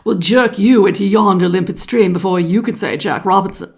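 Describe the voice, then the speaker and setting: A woman's voice: medium pitch, a little fast, vocal fry, a little mellow, natural voice. A woman voicing a pompous, long-winded, bossy python rock snake in a children's story, with an emphatic, ornate way of talking. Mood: pompous, urgent.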